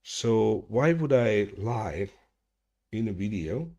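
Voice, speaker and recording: Man, slow unhurried delivery, lowish voice, casual rambling livestream chat, swears, restarts sentences. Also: lively intonation, warm tone, highs cut off. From Hungary. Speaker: streamer hosting a chat hangout. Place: at home.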